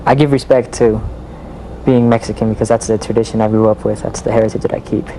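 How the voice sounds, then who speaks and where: A man from Chicago speaking in an unscripted group discussion, phrasing deliberately and with emphasis. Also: fairly low pitch, steady tone, mellow, rough recording. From Chicago, United States. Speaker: discussion participant. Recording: noticeable background room noise.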